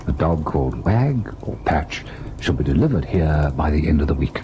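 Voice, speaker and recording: An actor playing a devoted, sorrowful husband in an old-time radio ghost drama, measured and tender in his delivery. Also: very deep voice, lively intonation, background noise. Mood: tender, teasing. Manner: measured, melancholy narration, tender and indulgent in dialogue. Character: devoted husband recalling a haunted, sorrowful tale.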